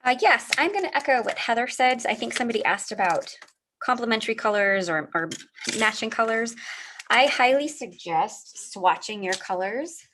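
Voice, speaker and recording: A middle-aged woman hosts a live craft demo over a video call, guiding viewers through each step in a friendly, chatty manner while frequently stopping to answer chat comments. She sounds a little sniffly. Her voice is on the high side with lively intonation at normal speed, and there's background noise.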